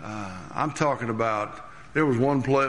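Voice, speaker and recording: Through noticeable background noise and audible room echo, a man speaks at medium pitch with ordinary pitch variation. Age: 60s. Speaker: pastor. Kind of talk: sermon.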